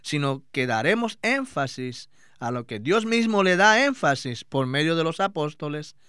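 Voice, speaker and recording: A man doing a scripted religious reading in a steady, formal delivery. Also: on the high side, moderate pace, clean tone, dry recording, studio quality.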